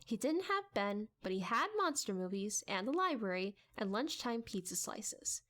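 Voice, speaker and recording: A woman narrating a story as an expressive dramatic audiobook reading. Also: medium pitch, normal speed.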